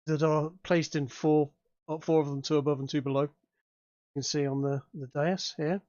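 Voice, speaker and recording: A man narrating a tabletop game as game master, improvising in a halting way with repeated words. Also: fairly high pitch, steady tone, darkish tone, no echo, highs cut off.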